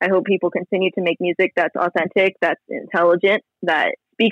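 At a moderate pace, a woman speaks in a medium pitch with a normal speaking voice. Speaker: podcast co-host. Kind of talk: casual chat.

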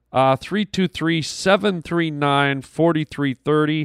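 Recorded very cleanly against a silent background, with dry, close sound and no echo, a man with a slight Canadian accent and a fairly high pitch speaks very slowly with ordinary pitch variation. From Canada. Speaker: comedian podcast host. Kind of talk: comedic monologue. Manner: animated, stammering repetitions.

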